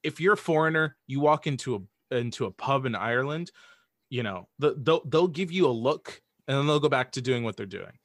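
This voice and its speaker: Guy on a podcast, bright forceful voice, dry close sound, kinda stumbles and repeats words as he hedges. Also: medium pitch, expressive, brisk, no echo. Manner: hesitant, hedging, repeats words as he goes. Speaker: podcast guest, audio drama writer. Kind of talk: casual podcast chat.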